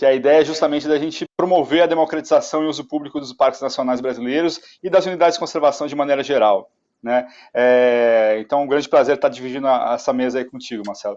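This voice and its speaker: A man with a São Paulo accent talks at a very fast pace. His pitch is fairly high, with ordinary variation. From São Paulo city, Brazil. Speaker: conservation park management representative. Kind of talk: panel discussion.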